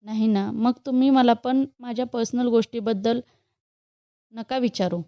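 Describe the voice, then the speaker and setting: A polite young female employee, voiced by a woman narrator answers her boss formally and holds her ground with care. Her voice is fairly high, and the recording is dry and a little muffled. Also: fairly even intonation, moderate pace, no room sound, natural voice. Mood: polite, firm. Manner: polite, formal, addressing him as sir.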